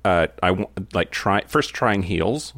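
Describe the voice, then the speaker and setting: Deep-voiced eager man, lively pitch. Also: unhurried, dry recording. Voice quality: eager, upbeat, blunt. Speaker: podcast co-host. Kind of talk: casual chat.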